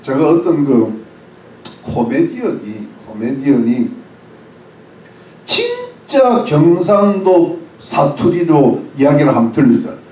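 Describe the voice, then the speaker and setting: A man's voice: on the high side, wildly swooping pitch, takes it slowly, mellow, roomy sound, recorded from a distance, poor audio. A man preaching a sermon as pastor, explaining words one by one with English phrases and asking the congregation questions. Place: church.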